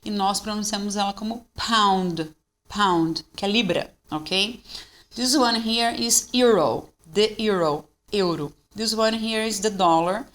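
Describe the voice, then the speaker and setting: This is a Brazilian woman with a Brazilian Portuguese accent, teaching an English lesson. She switches between explanation and slow, careful model phrases. She often pauses to check that her students are following. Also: mid-range voice, a bit bright. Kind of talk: bilingual classroom lesson.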